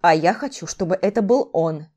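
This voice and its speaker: A woman's voice: lowish voice, expressive, moderate pace, a little mellow. A woman voicing a male demon mentor who whines, pleads and plays to an imagined crowd in an audiobook. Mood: coaxing. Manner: whining, pleading, theatrical. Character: whiny theatrical male demon mentor, ageless.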